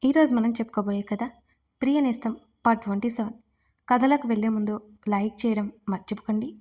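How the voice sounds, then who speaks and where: A woman narrating a serialized audio story in a steady, even storytelling manner. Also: a little high, a little fast.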